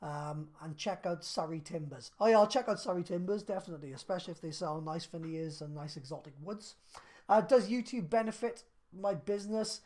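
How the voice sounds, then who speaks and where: Man, 30s, casual live stream host answering questions in a relaxed, rambling way. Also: high-pitched, brisk. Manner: laid-back and chatty, lots of fillers. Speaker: craft business live streamer.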